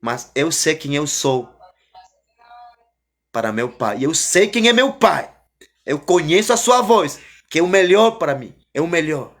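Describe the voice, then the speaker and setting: A man giving an emotional religious testimony as a preacher, fervent and repetitive, often rising and then falling soft. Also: on the high side, very animated, a little slow, pauses often.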